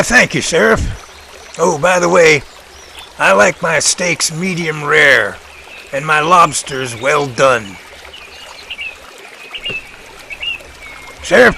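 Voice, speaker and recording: A man acting as a confident, methodical professor in an audio drama, explaining things precisely and deliberately. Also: on the high side, vocal fry, pushed and bright, a little hiss or hum, exaggerated voice. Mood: pleased. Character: confident, methodical male professor tracking a sasquatch.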